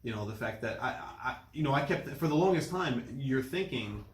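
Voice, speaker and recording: A man talks through a film as a casual podcast co-host. His voice sits at a medium pitch, and he retells things step by step with emphasis. The room is audibly echoey. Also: lively intonation, fairly quick. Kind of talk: casual film review chat.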